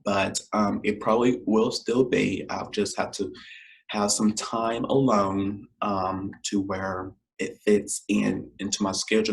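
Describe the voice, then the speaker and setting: A man hosting his own podcast, closing an episode in a loose, rambling way, full of fillers and talk to "you guys." His voice is scratchy and deeper than usual because he is feeling unwell. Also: gravelly. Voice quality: deep, scratchy voice. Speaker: podcast host. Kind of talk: casual solo podcast outro.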